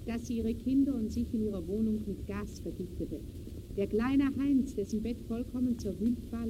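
An actress playing a declamatory, solemn herald of sensational headlines in a 1920s-style radio play. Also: female voice, fairly high pitch, background noise, close to an everyday voice. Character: dramatic woman herald chanting sensational newspaper headlines.

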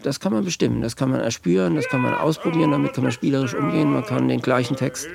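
A man's voice: mid-range voice, fast, vocal fry. A man, a composer, talking reflectively as in an interview, with music behind him.

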